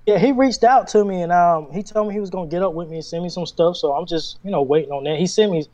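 A man's voice: high voice, quick pace, darkish tone, dull audio. A male singer talking casually as a guest, laid-back and chatty, often laughing. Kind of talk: casual conversation.

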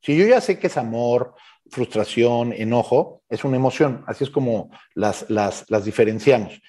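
Slightly husky man explaining informally. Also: medium pitch, expressive, moderate pace, warm tone. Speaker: neuroscience coach, interview guest.

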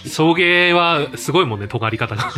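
A male podcast host chats in a relaxed, teasing manner, chuckling as he needles his guest. His pitch moves expressively, and music sits clearly in the background. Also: normal speed. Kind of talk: casual chat. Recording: music clearly audible behind voice.

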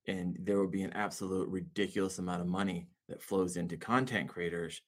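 A man guesting on a podcast with a fairly low voice. He speaks confidently and emphatically, presses his opinions, and now and then stumbles over a word before pushing on. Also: fairly even intonation, brisk. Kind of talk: casual podcast chat.

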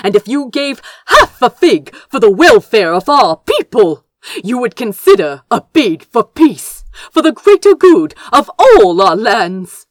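A woman plays a defiant younger prince from a fantasy storybook. He is principled and indignant, speaking with tart, insistent disapproval and very lively pitch. The sound is dry and close. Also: a little slow, dry recording. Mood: tart insistence.

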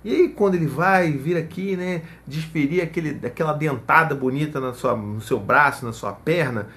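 A young adult man giving casual parenting advice, lively, often acting out parents talking to their toddlers. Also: a little high, normal speed. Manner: animated, acts out parent and child voices. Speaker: parenting speaker.

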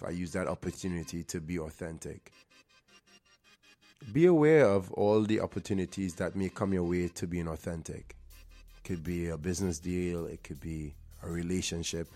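Man, podcast host, very low voice, mellow tone, motivational, faint music behind. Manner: earnest, motivational. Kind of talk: casual podcast talk.

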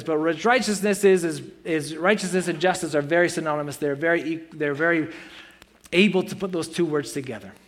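A man in his forties preaching a sermon in a church, earnest and conversational, with playful self-mocking asides. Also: fairly high pitch. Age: 40s. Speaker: pastor.

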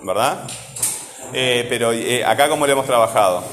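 A man's voice: medium pitch, normal speed, crowd noise. A man teaching a grammar lesson, coaxing students along with constant check-in questions. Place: classroom. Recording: roomy classroom echo, faint ambient noise.

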